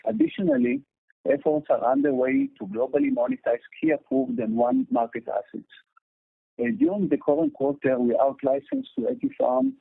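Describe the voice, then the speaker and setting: A man's voice: extremely high pitch, vocal fry, husky, no echo. A man with an Indian accent reading a formal earnings presentation as a company executive over a phone line, stumbling over some words. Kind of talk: scripted earnings call presentation. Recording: thin, phone-like conference line.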